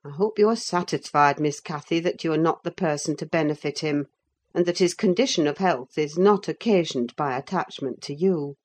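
A woman voicing a stern, middle-aged housekeeper in an audiobook reading, firm and scolding. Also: low-pitched. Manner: firm and brisk.

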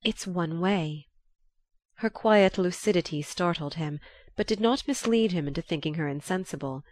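Lady reading a classic novel aloud, calm and even, lowish voice, dry close sound. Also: fairly quick, no room sound. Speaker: audiobook reader. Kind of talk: scripted narration of a novel.

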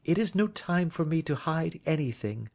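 Earnest young woman, high and imploring, for a storybook reading, with a male narrator putting her on. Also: sing-song, normal speed, gravelly, a little mellow. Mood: confiding. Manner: urgent, imploring.

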